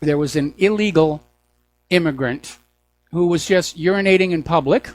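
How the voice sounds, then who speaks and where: Older American man, slightly higher-pitched voice. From United States. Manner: opinionated, deliberate phrasing with pauses. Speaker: talk show host. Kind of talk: political news monologue.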